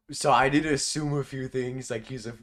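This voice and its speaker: A young man casually commentating over his own video, laughing often, swearing and now and then yelping loudly. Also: mid-range voice, steady tone, a little slow. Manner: laughs often, swears, bursts into loud yelps. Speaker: video essay creator doing live commentary.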